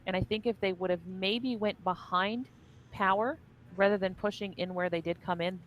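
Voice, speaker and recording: This esports co-caster speaks at a normal speed in a mid-range, steady voice, keeping things upbeat and organized as she covers the schedule, giveaways and fights on a casual stream. The low-quality recording carries slight background noise.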